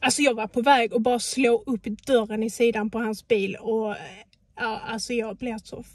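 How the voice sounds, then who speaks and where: A woman's voice: on the high side, fairly even intonation, a little mellow, dry recording. A young woman vlogging in casual chat about her shopping, talking freely and swearing when annoyed.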